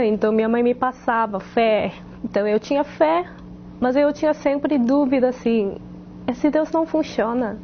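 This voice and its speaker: A woman from South Korea with a Korean accent, a Korean native speaker, giving a halting personal testimony, muffled with faint noise. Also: sits high. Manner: halting, searches for words.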